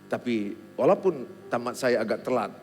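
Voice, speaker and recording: A middle-aged pastor preaching a Christmas sermon in an animated way, swinging between loud exhortation and quiet, humorous storytelling. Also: male voice, mid-range voice, moderate pace, slight background noise. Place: large church hall. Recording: long hall reverb with faint music.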